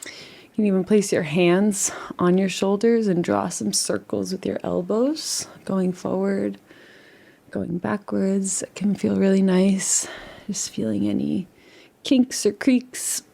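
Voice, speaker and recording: Gentle, creaky-voiced woman guiding meditation. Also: medium pitch, steady tone. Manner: soothing, unhurried, gentle instruction. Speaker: meditation guide. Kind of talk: guided relaxation meditation.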